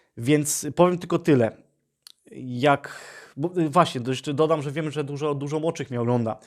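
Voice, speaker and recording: A man speaks at a fairly high pitch and a moderate pace, with fairly even intonation and long, frequent pauses. The recording is very clean with a silent background. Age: 30s. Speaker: gaming YouTuber. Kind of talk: casual vlog monologue. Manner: halting, repetitive.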